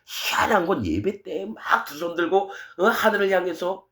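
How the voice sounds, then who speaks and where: A middle-aged man preaching a sermon as pastor, fiery and scolding, switching between loud outbursts and quiet asides. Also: high voice, animated, normal speed.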